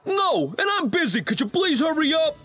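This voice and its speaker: A brusque cartoon delivery worker in a high, lively voice. The manner is irritated and impatient, with loud music behind. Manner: brisk, irritated. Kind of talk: cartoon dub acting.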